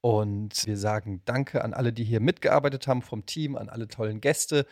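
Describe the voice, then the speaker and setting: A man's voice: medium pitch, fairly even intonation, moderate pace, a little mellow, no room sound. Enthusiastic male podcast host, close dry sound. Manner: enthusiastic, informal with English slang. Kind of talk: casual podcast chat.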